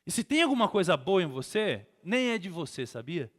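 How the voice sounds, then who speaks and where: A middle-aged Brazilian man, a pastor, telling a personal story in a sermon and building to loud, emphatic preaching. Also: high-pitched, very animated, moderate pace. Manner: storytelling, acts out quotes, grows loud and emphatic. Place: church hall. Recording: long church hall reverb.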